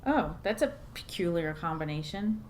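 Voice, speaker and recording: A woman's voice: fairly low pitch, lively intonation, moderate pace, a little hiss or hum, close to an everyday voice. Woman acting a courteous small-town mayor. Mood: courteous, brisk. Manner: courteous, articulate, direct. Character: welcoming, worried middle-aged small-town mayor and mother. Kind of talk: audio drama acting.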